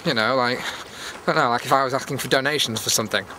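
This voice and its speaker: A man's voice: mid-range voice, fast talker. A British man casually rambling through a chatty, meandering walk-and-talk vlog as its host. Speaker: YouTube vlogger and host. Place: outdoors on a cold evening walk. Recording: clear outdoor background noise.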